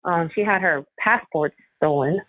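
A woman's voice: on the low side, a little slow, husky, no echo. A woman, a soccer coach and commentator, talking casually in an interview and rambling with many fillers. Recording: tinny phone line.

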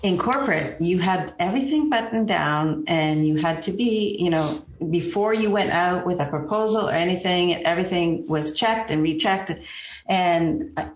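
A woman guest, a branding expert, talking reflectively in a casual interview with frequent pauses and fillers. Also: on the low side. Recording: echoey room.

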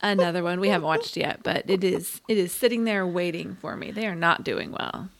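A woman co-hosting a casual podcast, speaking in a calm, measured way and laying out figures matter-of-factly. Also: fairly low pitch, vocal fry. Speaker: podcast co-host. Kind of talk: casual chat.

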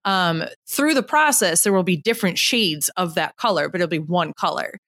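A woman's voice: fairly low pitch, expressive, moderate pace, a bit bright, dry recording. Chatty woman explaining things, dry sound. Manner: explains at length, often asks "right?". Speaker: podcast co-host. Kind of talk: casual chat reviewing a TV show.

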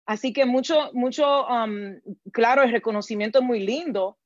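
A woman's voice: on the high side, normal speed. A woman with a Dominican accent speaks earnestly as a coach in an interview, often restarting phrases. Her voice comes through a dull, lo-fi recording in a dry space with no room echo. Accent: Dominican Spanish. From Dominican Republic. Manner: earnest, repeats words, slips into English. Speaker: guest, team coach. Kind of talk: casual interview answers.

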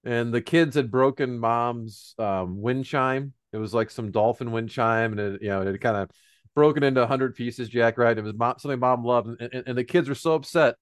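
A man's voice: mid-range voice, normal speed, clear, resonant tone, dry recording, clean studio sound. A man co-hosting a business talk show, rambling through stories and advice in a casual, conversational way. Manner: rambling, storytelling, often repeats a cohost's name. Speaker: business podcast co-host.

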